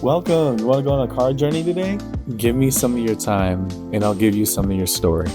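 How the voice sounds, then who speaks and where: A man's voice: medium pitch, a little fast. A man delivering a scripted, inviting introduction in the manner of a fortune teller. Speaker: tarot reader. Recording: plucked guitar music behind.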